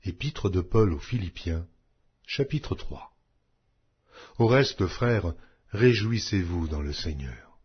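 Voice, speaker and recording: A man with a low, husky voice narrates scripture solemnly. His phrasing is measured and declamatory, rising and falling widely in pitch. The recording sounds somewhat dull. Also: lively intonation. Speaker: Bible narrator. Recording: dull, lo-fi audio.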